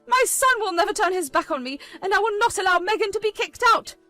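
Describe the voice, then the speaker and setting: A shrill, high, scheming old mother-in-law, put on by a woman reading the story. She whines and pleads at a raised, loud pitch, self-pitying and manipulative. This is a spoken storybook voice with faint music under it. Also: moderate pace. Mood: indignant.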